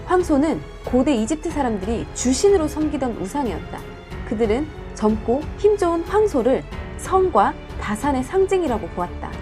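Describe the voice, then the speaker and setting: High-pitched, very animated woman storyteller. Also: normal speed, music in the background. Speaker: storyteller and host. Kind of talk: dramatic Bible storytelling narration with casual asides.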